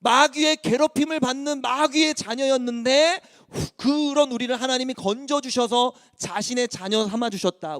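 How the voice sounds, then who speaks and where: A male youth pastor preaching to high school students, telling stories in a conversational, animated way. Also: no echo, clean studio sound.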